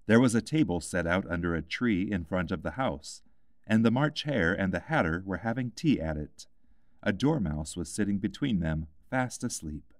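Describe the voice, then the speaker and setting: A man's voice: low-pitched, animated, moderate pace, no echo, clean studio sound. A man reading a scripted children's classic as an audiobook narrator.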